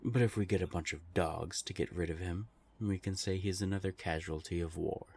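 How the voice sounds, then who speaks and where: A man playing a haughty centuries-old vampire in an audio drama, husky and gravelly, with a condescending, taunting, theatrical manner. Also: deep voice, fairly even intonation, a little fast, a little mellow, slight background noise. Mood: sly, matter-of-fact.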